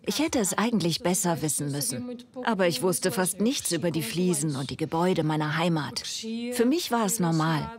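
A woman voicing a dubbed interview translation in a calm, plain way. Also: on the low side, moderate pace, crowd noise.

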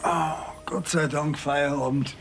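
A man's voice: on the high side, steady tone, takes it slowly, gravelly, over music. A man acting as a good-natured, reluctant older husband in a naturalistic TV drama, hesitant and conversational.

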